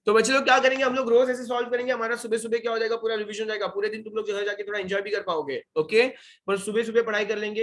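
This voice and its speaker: A man's voice: high-pitched, a bit bright. A young man with an Indian accent teaching a French revision class, quizzing students and repeating key points. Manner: questioning, repeats key points, mixes Hindi and English. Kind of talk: online revision lesson.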